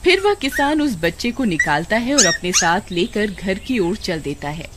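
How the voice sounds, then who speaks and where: A woman giving scripted storybook narration in an expressive storytelling manner, over loud background noise. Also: mid-range voice, normal speed.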